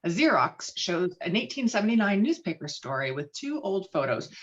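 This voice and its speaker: A woman's voice: fairly low pitch, a bit bright. A woman reading screenplay stage directions as narrator at an online table read. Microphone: video call. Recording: dull lo-fi online call audio.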